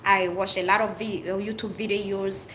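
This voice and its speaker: A woman's voice: medium pitch, little pitch movement, moderate pace, a bit bright, slight background noise, rough recording. Haitian woman, French accent, earnest. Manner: open, earnest, speaks in short fragments with restarts. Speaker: livestream host. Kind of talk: casual livestream chat answering viewers.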